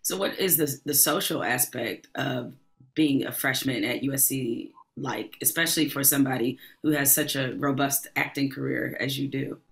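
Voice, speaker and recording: Very low-voiced woman hosting an interview. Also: normal speed. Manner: relaxed, conversational questions with short backchannels. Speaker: podcast host. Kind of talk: interview questions. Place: home room with bookshelves. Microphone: studio mic close up.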